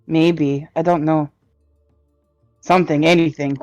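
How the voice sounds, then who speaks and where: A woman's voice: low-pitched, fairly even intonation, measured pace, a little mellow, dry recording, faint music behind. A woman playing a tabletop game, tossing out ideas tentatively. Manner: tentative, wondering aloud. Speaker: player. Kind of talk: casual tabletop play.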